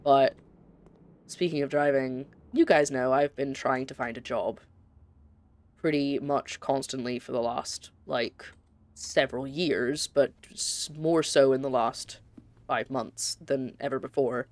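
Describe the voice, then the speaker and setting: A woman's voice: very deep voice, fairly even intonation, measured pace, darkish tone, no room sound. Chatty Scottish woman streaming a game. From Scotland. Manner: chatty, rambling, with frequent self-interruptions. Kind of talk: casual chat while live-streaming a game.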